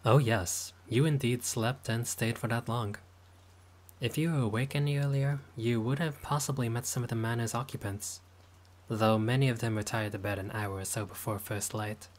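A man's voice: medium pitch, steady tone, normal speed, natural voice. A man voicing a friendly, caring male vampire lord who talks politely and eagerly, sometimes flustered, in an audio roleplay. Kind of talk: audio roleplay monologue to the listener.

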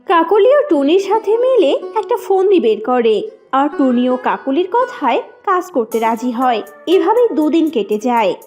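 Very high, animated woman storyteller. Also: measured pace, soft background music. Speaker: storyteller narrator. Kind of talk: scripted children's story narration.

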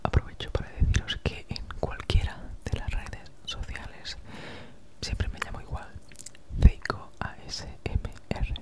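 A woman in her thirties with an accent from Spain chats casually in breathy, unvoiced ASMR whispers, very close to the mic, right in your ear, with a noticeable S sound. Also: a little slow. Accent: Spanish from Spain. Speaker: ASMR creator. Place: small home room, indoors. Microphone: handheld recorder with foam windscreen, very close.

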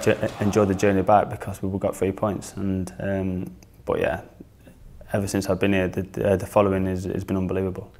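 Low, flat-voiced northern English young man. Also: a little hiss or hum. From northern England. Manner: hesitant, many fillers and restarts. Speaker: football player. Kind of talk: casual interview answers. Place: small studio, indoors.

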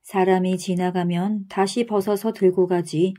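A woman's voice: lowish voice, level tone, unhurried, warm tone, close to an everyday voice. A woman voicing a boastful, stingy male miser from a folktale, speaking in an old-fashioned way.

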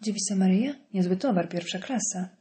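A woman's voice: medium pitch, a little fast, mellow, lightly acted. A woman voicing a crude, mocking male prison inmate in an audiobook, with a vulgar, taunting manner.

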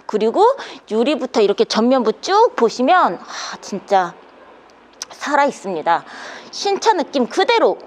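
A young woman presenting a used vehicle in an upbeat, polished salesperson's patter. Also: fairly high pitch. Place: indoor parking garage, later inside truck cab. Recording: background noise in parking garage.

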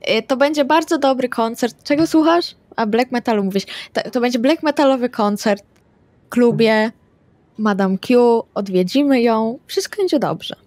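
A woman's voice: a little high, moderate pace, darkish tone, no room sound. A woman playing a tabletop roleplaying game, chatting casually in and out of character.

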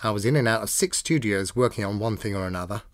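A man's voice: lowish voice, fast talker, noisy background. A man with a British accent giving a scripted, dramatic reading of diary entries. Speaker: diary reader. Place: dry studio.

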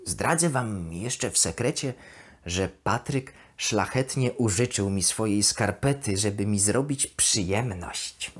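A woman acts out a female plush duck telling her diary in a children's audio story. She is chatty and affectionate, with a slightly husky voice that swings widely in pitch and takes its time. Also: slow, heavily acted. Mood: fond, chatty. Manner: expressive, affectionate, confiding.

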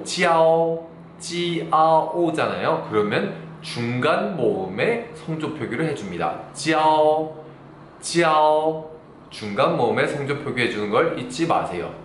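A young man from South Korea teaching a Chinese lesson, patiently explaining and drawing out sample syllables slowly and loudly. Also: mid-range voice, reverberant, slight background noise. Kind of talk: online language lesson.

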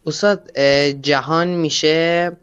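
A student answering the teacher hesitantly during an online class. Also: female voice, deep voice, fairly even intonation, clear, resonant tone, muffled recording.

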